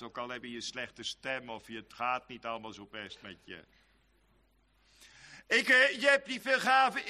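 A man preaching a sermon in a church, his high, bright voice ringing with a long hall reverb. He lingers slowly over his exhortations, rising loud and drawn-out, then drops into soft, quick asides.

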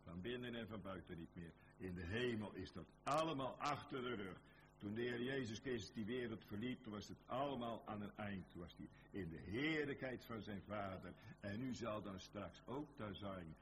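A man's voice: lowish voice, moderate pace, fairly bright tone, slight background noise. A man with a Dutch accent preaching a fervent sermon, repeating phrases and speaking back and forth with God. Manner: fervent, repetitive, dialogue with God.

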